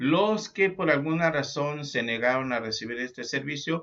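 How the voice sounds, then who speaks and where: Against a quiet background, a man speaks with lively intonation and a bright, sharp tone. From Mexico. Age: 60s. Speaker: psychotherapist. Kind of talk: casual talk. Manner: halting, many fillers.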